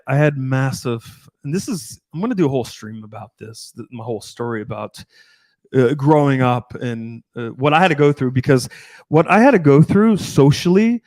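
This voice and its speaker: On a podcast, a man in his thirties who works as a dating coach rambles casually, swears a lot, and keeps starting sentences over. His mid-range voice has a darkish tone, with no room sound.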